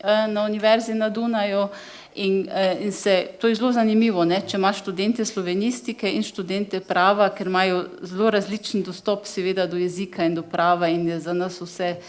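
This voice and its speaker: A woman's voice: medium pitch, fairly even intonation, a little fast. A woman lawyer answering on a panel, hesitant and searching for her words.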